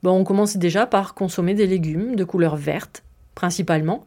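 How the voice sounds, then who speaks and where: A woman's voice: lowish voice, normal speed, mellow. A woman hosting a podcast and explaining her subject in a friendly, conversational way, with filler words and some self-mocking humor. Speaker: podcast host.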